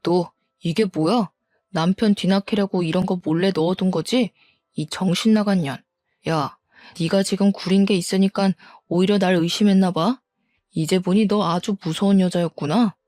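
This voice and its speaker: A woman's voice: fairly low pitch, normal speed, mellow, no echo, lightly acted. A woman voicing a cheating middle-aged husband who blusters, shifts the blame and scorns his wife. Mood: defensive, scornful.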